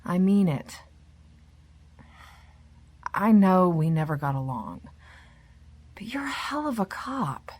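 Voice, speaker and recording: An actress playing a candid, businesslike senior law enforcement chief in an audio drama. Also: female voice, on the low side, big pitch swings, slow pace, pauses often, a little mellow, no room sound, heavily acted. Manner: businesslike, frank.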